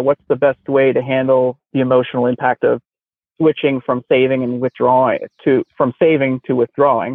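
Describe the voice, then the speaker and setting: A man with an unremarkable speaking voice. He talks at a fairly quick pace. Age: 40s. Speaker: caller. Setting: phone call.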